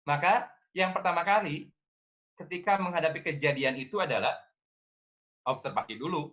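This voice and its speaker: Brief: man, parenting talk host, bright forceful voice, a bit high, muffled audio. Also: normal speed. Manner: engaging, asks audience, acts out scolding parents. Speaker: parenting speaker.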